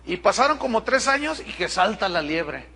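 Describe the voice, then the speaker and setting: A middle-aged man with a Mexican accent preaching a sermon, telling a congregation story in a direct, animated way with humorous asides. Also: sits high, normal speed, slight background noise. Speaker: pastor.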